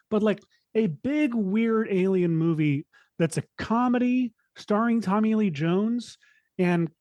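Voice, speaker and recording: A man's voice: high-pitched, darkish tone, dry recording. A younger adult man, a filmmaker guest, chatting enthusiastically and rambling with lots of fillers. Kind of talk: casual interview chat.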